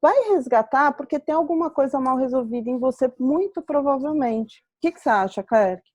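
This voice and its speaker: High-voiced Brazilian woman hosting a webinar. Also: a little fast, a little mellow, dry recording, clean studio sound. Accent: Brazilian Portuguese. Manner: earnest, explanatory, personal examples. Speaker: webinar host. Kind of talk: reflective live webinar talk.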